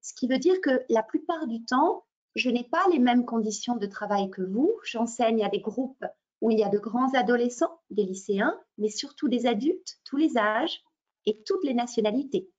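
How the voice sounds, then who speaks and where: Hesitant French teacher, slightly high voice. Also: female voice, moderate pace, darkish tone. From France. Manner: hesitant, many fillers and restarts. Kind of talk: webinar presentation. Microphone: computer mic on a video call. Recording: muffled lo-fi webinar audio.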